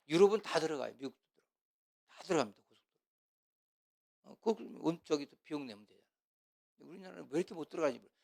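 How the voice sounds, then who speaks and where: A middle-aged man teaching as a pastor in a casual, chatty way, with asides, and acting out quarrels in a loud voice. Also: fairly high pitch. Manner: chatty, asides and laughs, acts out quarrels loudly. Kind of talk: casual church teaching talk.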